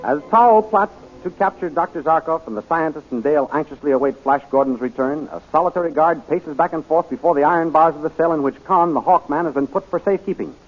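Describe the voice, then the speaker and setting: A man's voice: a little high, fast, soft background music. A man narrating and announcing a radio serial in a formal, declamatory, dramatic 1930s scripted style. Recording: thin, phone-like 1930s radio recording.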